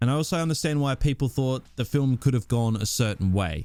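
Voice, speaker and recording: A man with an Australian accent, medium in pitch and lively in intonation, on a very clean recording with a silent background. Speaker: film video essayist. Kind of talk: video essay narration. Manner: casual, conversational.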